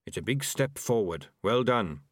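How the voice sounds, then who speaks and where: A man voicing a gentle, thoughtful male rat in a storybook, speaking in a kindly, reflective and deferential way. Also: medium pitch, sing-song, moderate pace, no room sound, studio quality, pitched above the performer's own voice.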